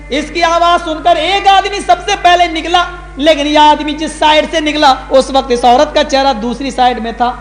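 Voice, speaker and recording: High-pitched impassioned male preacher in a hall. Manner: impassioned, climbs high on key words. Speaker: Islamic preacher. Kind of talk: Urdu sermon with dramatic storytelling. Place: large hall, live gathering. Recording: echoey hall with long reverb.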